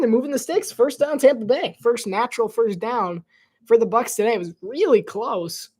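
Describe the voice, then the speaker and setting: A man calling a game live in a loose, conversational way, wandering into side stories between plays. He laughs often and sometimes drops his voice to a near whisper for quick asides. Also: very high voice, darkish tone. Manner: chatty, rambling asides, frequent laughs. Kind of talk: casual play-by-play livestream commentary.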